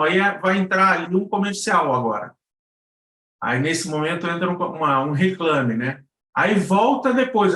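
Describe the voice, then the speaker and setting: A Brazilian man lectures informally on a live stream in a slightly high voice. He is halting and often searches for his words. The recording is roomy and echoing. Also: a bit bright. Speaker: guest lecturer on podcast production. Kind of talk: informal online lesson.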